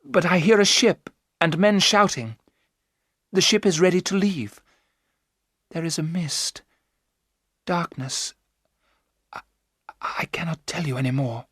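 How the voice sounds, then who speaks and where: A man reading aloud, voicing a young woman under a vampire's spell who speaks in a grave, hushed way. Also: sits high, takes it slowly, long pauses, breathy edge, no room sound, clean studio sound, voice pushed up, heavily acted. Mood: entranced.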